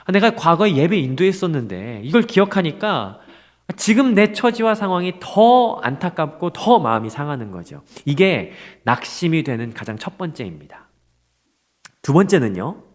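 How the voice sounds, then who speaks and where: A male pastor preaching a dawn prayer sermon, expressive and asking the congregation rhetorical questions. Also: on the high side.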